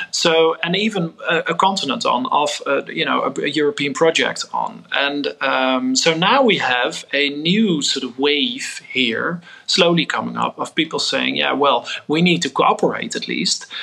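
A man talks at a fairly slow pace in a Dutch accent. He leaves hardly any pauses. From Netherlands. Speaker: former finance ministry official. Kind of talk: interview. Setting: remote call. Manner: halting.

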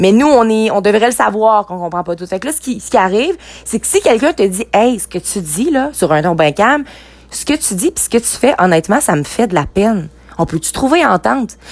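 Speaking fairly quickly in a Quebec accent, a woman with a medium-pitched voice swings very widely in pitch and loudness. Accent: Québécois French. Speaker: podcaster. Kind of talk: casual monologue. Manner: animated.

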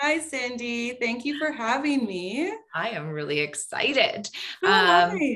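A woman talks at a fairly slow pace in a high voice with very wide pitch swings. Noticeable background noise can be heard. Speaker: podcast host. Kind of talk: casual interview chat.

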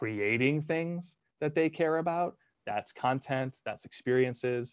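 In a dry, close sound with no echo and a quiet background, an unremarkable speaking voice with an American accent moves at a moderate pace with ordinary pitch variation. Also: man. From United States. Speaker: keynote speaker. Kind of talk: interview.

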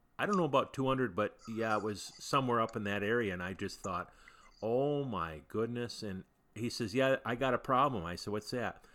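On a very clean recording with a silent background, a man with a Michigan accent speaks at a moderate pace in a medium-pitched voice, with a bright, sharp tone and ordinary pitch variation. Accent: Michigan general American. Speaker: podcast host. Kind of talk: casual interview conversation. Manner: friendly, folksy, chatty.

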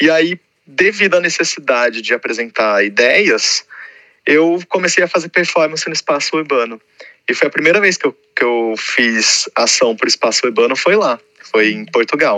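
A man speaks at a moderate pace with a fairly high pitch and very wide pitch swings. The sound is dry and close, with no echo. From western São Paulo state, Brazil. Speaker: artist. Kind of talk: interview.

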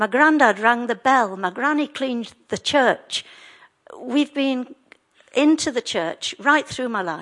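Speaking very slowly in a West Midlands accent, a woman uses a high pitch and lively intonation. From English Midlands, Stafford. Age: 70s. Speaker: retired teacher, runner. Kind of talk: personal testimony. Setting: church.

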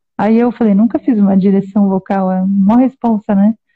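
Fairly even intonation from a woman, her voice somewhat breathy. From Portugal, Lisbon. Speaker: singing teacher. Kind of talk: casual interview.

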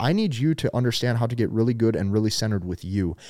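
The voice moves at a very fast pace with lively intonation and a confident tone. The recording is very clean, with a silent background. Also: man. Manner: direct, confident, persuasive.

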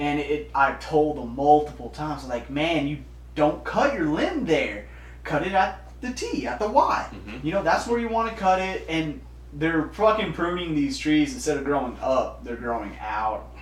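A man talks at a moderate pace with a Texan accent. Room echo is audible. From Texas. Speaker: podcast co-host. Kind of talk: casual chat.

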